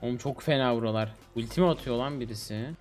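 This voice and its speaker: A young man streaming a game, chatting with a teammate in an exasperated, animated, slangy way. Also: medium pitch, fast talker. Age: young adult. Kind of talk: live gameplay commentary and casual chat with teammate. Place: indoor gaming room. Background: game music and sounds.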